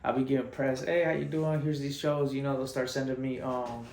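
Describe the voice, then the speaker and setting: A man's voice: medium pitch, level tone, fairly quick, vocal fry, a little mellow, echoey room, a little hiss or hum. A man hosting a casual interview, hyped and slangy, chiming in with short affirmations. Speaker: host.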